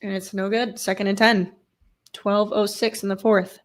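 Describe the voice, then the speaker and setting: Sick with a cold that leaves her nose stuffy, a woman streams casual football play-by-play at a normal speed in a mid-range, level-toned voice. She chats with viewers, reads and answers their messages and swears casually, using a desk streaming microphone.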